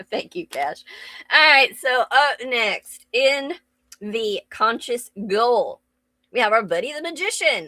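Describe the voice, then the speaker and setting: At a very slow pace, a woman uses a raised, projected voice with a high pitch and a bright, sharp tone, recorded dry and close with no echo. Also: lively intonation. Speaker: tarot reader and podcast host. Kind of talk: oracle card reading.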